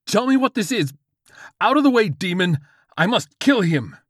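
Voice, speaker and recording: Man playing a frantic, high-pitched fanatical young janitor. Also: lively intonation, slow pace, pushed and bright, no echo, studio quality, full character voice. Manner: frantic, high-strung, declamatory. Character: unhinged young male janitor, fanatical self-appointed holy crusader.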